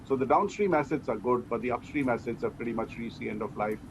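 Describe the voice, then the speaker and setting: A man giving measured, explanatory answers as a company executive in an interview. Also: medium pitch. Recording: clearly noisy background.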